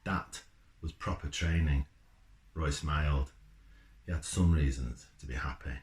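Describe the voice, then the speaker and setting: A man's voice: rumbling low, a little slow, a little mellow. A man who writes children's books, talking informally and reading a story aloud. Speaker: children's football author. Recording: roomy, echoey indoor sound.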